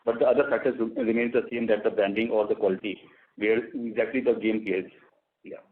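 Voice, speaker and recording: Indian male executive, quick explanatory delivery, narrow phone-line sound. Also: on the low side, steady tone, slight background noise. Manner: explanatory, often interjects "you can say". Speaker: company executive. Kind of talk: answering questions on an investor call.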